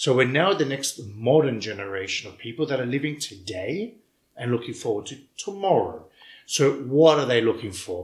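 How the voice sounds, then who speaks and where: Somewhat breathy, a man talks at medium pitch and a moderate pace with lively intonation. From Australia. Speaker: podcast host. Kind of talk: casual chat. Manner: animated.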